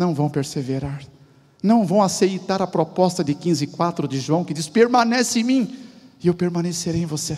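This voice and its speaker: Against a quiet background, a man talks at a fairly slow pace. His high pitch carries lively intonation. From Brazil, São Paulo city. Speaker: lay preacher, finance professional; lay preacher. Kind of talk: sermon. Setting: church, livestreamed. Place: church. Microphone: handheld.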